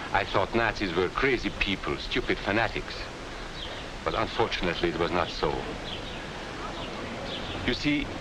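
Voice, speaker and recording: A middle-aged man with a Hungarian accent playing a calm former professor who talks in a measured, lecturing way, in a 1940s film. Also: lowish voice, close to an everyday voice. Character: calm, earnest male immigrant professor. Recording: hissy 1940s film soundtrack.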